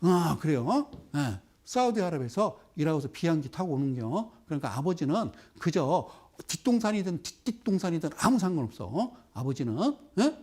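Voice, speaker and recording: A middle-aged man giving a televised stock investment lecture. He speaks straight to the viewers, keeps asking rhetorical questions, and slows right down when he points at the chart. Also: fairly high pitch, sing-song, darkish tone, breathy edge. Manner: drops into slow, drawn-out explaining while pointing at a chart.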